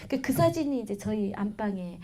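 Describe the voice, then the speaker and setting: A middle-aged woman with a regional Korean accent giving a parenting lecture, telling stories in a chatty way that swings between loud bursts and soft asides. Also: medium pitch, very animated, moderate pace. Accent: Korean regional dialect.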